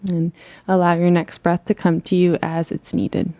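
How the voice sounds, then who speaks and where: A woman leading a guided relaxation as a meditation teacher, speaking in a soothing, gentle and unhurried way. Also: fairly low pitch, little pitch movement.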